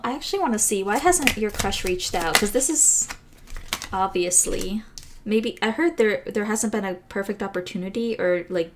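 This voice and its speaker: A woman talks her viewers through a tarot spread in a loose, chatty way, full of fillers and restarts. Her voice is a little hoarse, since she has been losing it over the past few days. Her pitch sits in a middle range for a woman. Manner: rambling, many fillers and restarts. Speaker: tarot reader. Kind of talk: casual pick-a-card tarot reading.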